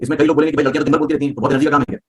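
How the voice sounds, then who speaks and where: A man teaching a live voice class, explaining breathing, volume and pitch with everyday examples and often checking whether students follow. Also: little pitch movement, rapid-fire, a little mellow. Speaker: voice coach.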